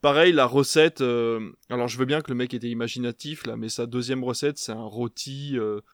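A man's voice: medium pitch, steady tone, brisk, no room sound. A young man from Belgium co-hosting a casual film podcast, talking with many fillers and restarts. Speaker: podcast co-host.

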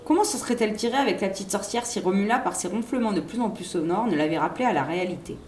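Woman reading a storybook aloud, expressive. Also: medium pitch, racing, reverberant, a little hiss or hum. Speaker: reader. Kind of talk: reading a children's book aloud.

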